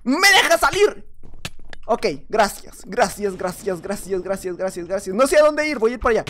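A woman giving excitable, laughing Minecraft gameplay commentary, her voice slightly hoarse from just waking up. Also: medium pitch, fairly quick, a little hiss or hum. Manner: excitable, laughing, teasing other players. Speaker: gaming YouTuber.

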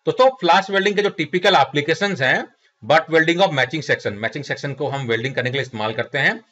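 A man's voice: on the high side, quick pace, sharp tone. A middle-aged man with an Indian accent, teaching a technical lesson over slides, explaining step by step and addressing viewers as friends. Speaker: instructor. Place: small studio room indoors. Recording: slightly dull lo-fi sound.

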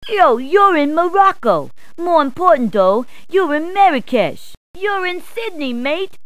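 A brash video game policewoman. Her voice is very high and swoops widely as she gives directions. The delivery is playful, punning and emphatic, in a dry, close recording. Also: sing-song, unhurried, a bit bright, dry recording, exaggerated voice. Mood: brash, helpful. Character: brash, jokey New York policewoman giving directions. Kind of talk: scripted video game character clips.

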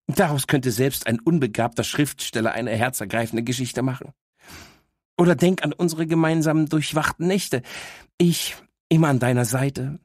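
A man's voice: mid-range voice, darkish tone, dry recording, studio quality, pitched above the performer's own voice, close to an everyday voice. A man voicing an opinionated young female talking dog, cheeky and sarcastic, in an audiobook. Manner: cheeky, know-it-all, sarcastic. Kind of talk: audiobook character voice.

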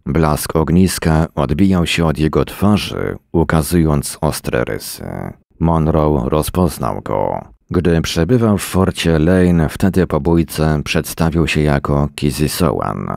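A man reading a short story aloud in a measured, dramatic way. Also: extremely low pitch, animated, vocal fry, a little mellow, dry recording, clean studio sound. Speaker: reader. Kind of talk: scripted narration of a short story.

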